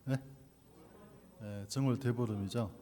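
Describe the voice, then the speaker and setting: A man's voice: lowish voice, fairly even intonation, a little slow, dark tone. Male preacher in a reverberant church hall. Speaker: pastor preaching at a church service. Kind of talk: sermon with scripture reading and prayer. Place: church hall, speaking from the pulpit. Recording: echoey hall with long reverb.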